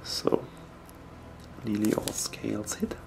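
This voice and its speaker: A young man with a German accent, a native German speaker, talking casually and hesitantly while he paints miniatures at his desk, often pausing to search for words. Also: fairly low pitch, steady tone, creaky, noisy background. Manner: slow, hesitant, searching for words with many ums.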